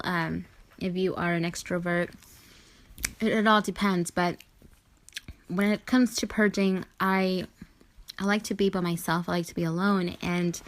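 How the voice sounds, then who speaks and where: A woman hosting a conversational discussion show on spiritual matters, talking reassuringly and often checking in with the listener. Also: mid-range voice. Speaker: show host.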